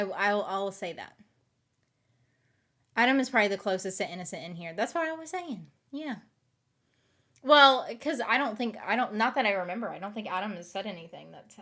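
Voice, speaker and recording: A woman's voice: mid-range voice, pushed and bright. A woman with a light Southern accent, chatting casually with her stream viewers in a rambling, giggly way. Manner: rambling, giggly, restarts and overthinks aloud. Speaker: live streamer.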